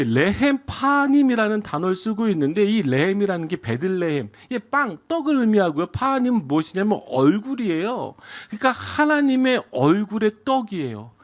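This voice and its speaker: High, lively preaching pastor, a man. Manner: asks the congregation questions and answers them; slows down for quoted scripture. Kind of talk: sermon. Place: church sanctuary.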